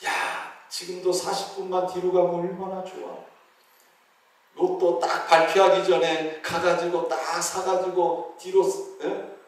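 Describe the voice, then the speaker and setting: A man preaching a lively sermon with a high voice. He asks questions of the congregation and answers them, and he briefly voices the figures of a Bible story. He is recorded from a distance in a church hall with heavy echo. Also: a little slow. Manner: acts out the voices of biblical figures in dialogue. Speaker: pastor. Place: church sanctuary. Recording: very echoey hall, heard from a distance.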